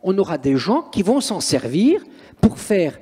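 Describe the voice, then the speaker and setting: A priest and exorcist tells stories in an interview, emphatic and theatrical, with a high, very animated voice that's unhurried and mellow with a breathy edge. Long reverberant echo hangs around the room.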